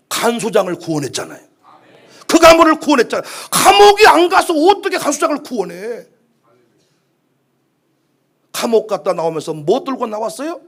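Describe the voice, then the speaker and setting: A male pastor preaching a sermon at a church prayer meeting, swinging from hushed asides to impassioned shouts. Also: very high voice.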